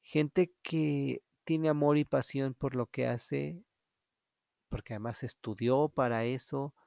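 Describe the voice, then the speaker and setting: Gravelly man, confessional podcaster. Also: mid-range voice, steady tone, slow pace, a little mellow, no echo, clean studio sound. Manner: candid, reflective, confessional. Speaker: podcast host. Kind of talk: solo podcast monologue.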